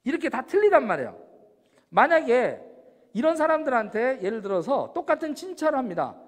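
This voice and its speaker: A man giving an animated lecture, firing off rhetorical questions and acting out examples. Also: very high voice, brisk. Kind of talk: lecture on personality types. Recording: long hall reverb.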